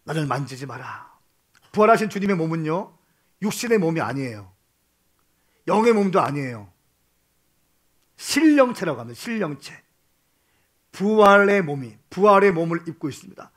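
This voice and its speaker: A male pastor preaching a sermon, swinging between shouts and soft hushed tones, repeating phrases and calling for amens. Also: sits high, sing-song, normal speed, pauses often.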